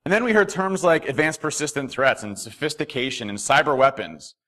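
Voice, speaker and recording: A man giving a conference keynote from a podium in a hotel ballroom, animated and quick, with lots of fillers and restarts. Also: medium pitch. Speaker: keynote speaker.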